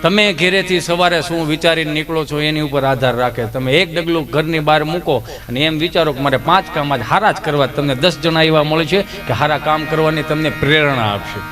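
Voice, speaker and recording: A male storyteller with a slightly raised pitch. He rambles through folk comedy anecdotes, chatty and direct, and keeps asking the crowd rhetorical questions. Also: brisk, few pauses, over music. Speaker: stand-up comedian.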